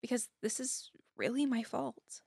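Impassioned, high-voiced crusading woman. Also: steady tone, a little slow, creaky, a little mellow, breathy edge, no room sound, studio quality, exaggerated voice. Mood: guilty, apologetic. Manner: emphatic, impassioned, rhetorical. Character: indignant, crusading female academic activist, fiercely principled. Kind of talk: audio drama acting.

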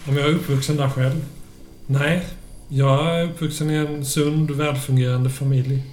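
A man's voice: a little high, level tone, a little mellow, slight background noise, close to an everyday voice. A man playing a prim, officious police constable. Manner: stiff, officious, lecturing. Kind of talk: in-character tabletop role-play. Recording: roomy with music behind.

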